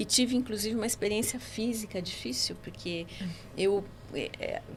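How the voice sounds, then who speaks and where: A woman with fairly high pitch speaks with lively intonation and vocal fry. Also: moderate pace. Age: 60s. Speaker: clinical psychologist and spiritual therapist. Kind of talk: testimony. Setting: podcast recording.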